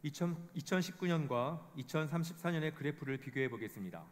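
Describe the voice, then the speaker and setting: A man giving a formal scripted report, reading statistics in a measured way. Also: a little high, lively intonation. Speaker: presenter of a report. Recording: long hall reverb.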